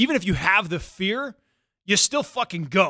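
Raising and projecting his voice, a man with a high pitch and a bright, sharp tone makes very wide pitch swings, recorded very cleanly against a silent background with a dry, close sound and no echo. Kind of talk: casual banter, joking chat.

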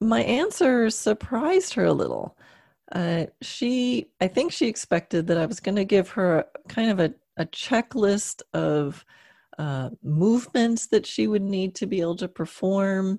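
A woman speaks at a fairly slow pace with lively intonation, medium pitch and a dark, mellow tone, in a dry, close recording with no echo and a very clean, silent background. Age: 50s. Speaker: horse riding instructor and podcast host. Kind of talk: solo podcast talk. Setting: studio. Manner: casual, frequent laughter.

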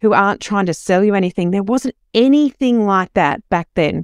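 A woman with an Australian accent speaks at a medium pitch with ordinary pitch variation, in a dry, close recording with no echo and a quiet background. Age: middle-aged. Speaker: podcast host, buyer's agent. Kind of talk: casual interview.

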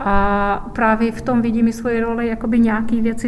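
A woman with a fairly high pitch speaks at a moderate pace in monotone, flat intonation, with audible room echo and noticeable background noise. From Moldova. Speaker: community worker. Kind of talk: interview. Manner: hesitant.

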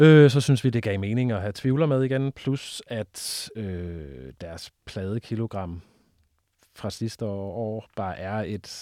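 Very slowly, a man speaks with lively intonation and a dark, mellow tone. The recording is very clean, with a silent background. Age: 40s. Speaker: festival organizer and music programmer. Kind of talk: casual interview. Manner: halting.

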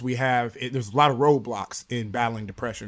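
The speaker is a man with an American accent and an ordinary speaking voice. His pitch is medium and his intonation fairly even. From Houston, Texas (Third Ward). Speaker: producer, researcher and stand-up comic. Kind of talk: casual chat.

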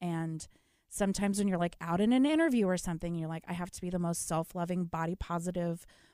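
A woman speaks at a very fast pace with an American accent and medium pitch. The recording is very clean, with a silent background. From US Midwest, Illinois and Ohio. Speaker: Broadway actress. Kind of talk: casual interview chat.

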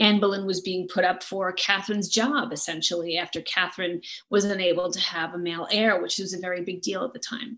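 Speaking with an American accent, a woman of medium pitch moves at a fairly quick pace. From New York. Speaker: theater producer. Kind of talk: interview.

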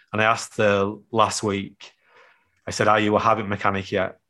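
In a northern English accent, a man speaks at a fairly low pitch with monotone, flat intonation. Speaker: psychologist and leadership coach. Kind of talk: interview. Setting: video call.

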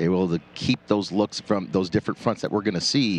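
Fairly quick in pace, a man talks in an ordinary speaking voice with a fairly low pitch. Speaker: professional gambler. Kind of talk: casual chat. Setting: live at a media event.

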